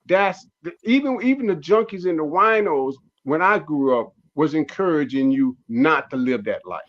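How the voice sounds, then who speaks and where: A man's voice: fairly high pitch, animated, moderate pace, muffled recording. A man in his sixties, a comedian guest on a talk show, speaking emphatically and repeating his points. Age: 60s. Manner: emphatic, preachy, repeats phrases. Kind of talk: casual radio talk show discussion.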